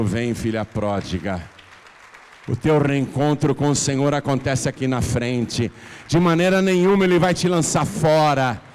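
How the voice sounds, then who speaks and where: A Brazilian man preaching as a pastor, moving between soft pleading and loud, fervent calls to come forward. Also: medium pitch, slight background noise. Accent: Brazilian Portuguese. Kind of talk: preaching a sermon with an altar call. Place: large church hall. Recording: reverberant church hall.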